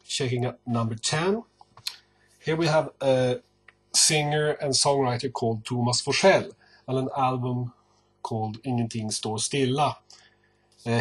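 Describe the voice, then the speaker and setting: A Swedish man talks to his camera at home, slow and unhurried, with many pauses and hesitations. His voice is husky at the edges, and his English carries a clear Swedish accent throughout. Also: mid-range voice. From northern Sweden. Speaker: record collector vlogger. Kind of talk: casual talk to camera.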